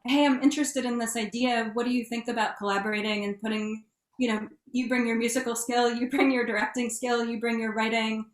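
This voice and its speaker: A woman's voice: a little high, reverberant. A woman speaking reflectively and earnestly as a panelist in a discussion, in long, trailing clauses.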